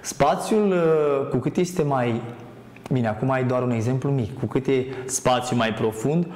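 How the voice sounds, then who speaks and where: A man's voice: mid-range voice, darkish tone, reverberant. A man as a guest on a TV talk show, speaking earnestly about spirituality and hesitating with many fillers. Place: TV studio.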